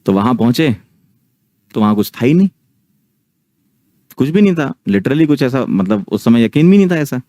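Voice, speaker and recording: A man's voice: medium pitch, sing-song, moderate pace, long pauses, dark tone, no echo. A man in his thirties telling a ghost story casually to a live online audience, often checking in with his listeners. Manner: chatty, keeps checking in with the listeners.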